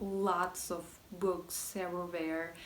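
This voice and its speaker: Audible echo from the room fills the recording. A woman talks very slowly. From Turkey. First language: Turkish. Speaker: language learning vlogger. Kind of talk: casual talking-head vlog. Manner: casual with fillers.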